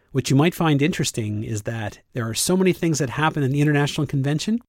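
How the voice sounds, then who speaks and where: A man's voice: mid-range voice, no echo, studio quality. Upbeat man hosting a podcast. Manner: enthusiastic, announcer-like. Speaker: podcast host and interviewer. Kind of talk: upbeat podcast intro and floor interviews.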